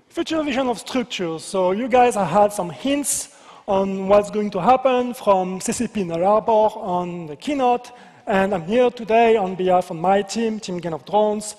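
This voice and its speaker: A man with a French accent presents to a crowd as a game designer, joking at his own expense as he goes. His voice sits fairly high. He speaks into a stage microphone, and the sound rings out with the long reverb of a large convention hall. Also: a little mellow. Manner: playful, self-deprecating, joking asides. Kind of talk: conference presentation.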